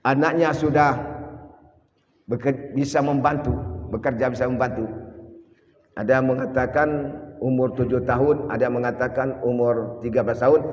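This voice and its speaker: A man's voice: medium pitch, steady tone, moderate pace, long pauses. A middle-aged male preacher, telling a story in a sermon and addressing the congregation with dramatic rises and falls. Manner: dramatic, rising and falling delivery, addresses congregation. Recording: echoey hall, dull lo-fi sound.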